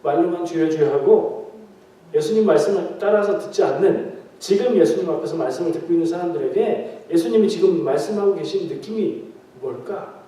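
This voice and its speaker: A man's voice: fairly high pitch, lively intonation, a little fast, dark tone. A man preaching a midweek prayer meeting sermon in a conversational way, asking the congregation questions and joking with them. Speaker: pastor. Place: church sanctuary. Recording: very echoey hall, mic far off.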